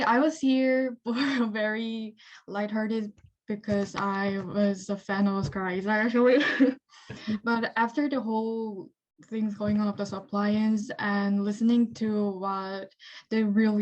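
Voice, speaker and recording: A woman's voice: medium pitch, darkish tone. Korean-accented woman on dull call audio. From South Korea. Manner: earnest, effusive, searching for English words. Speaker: audience member. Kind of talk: heartfelt spontaneous comments. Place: online video call.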